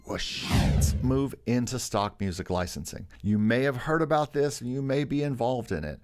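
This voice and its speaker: A man's voice: mid-range voice, lively intonation, normal speed, heavy background noise. A middle-aged man hosting a music licensing tutorial channel, talking in an enthusiastic, salesy way. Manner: enthusiastic, salesy, calls himself a carnival barker. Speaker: YouTube host teaching music licensing. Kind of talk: upbeat promotional tutorial.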